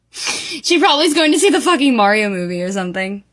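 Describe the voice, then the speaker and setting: Higher-voiced woman reacting casually. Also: a bit bright.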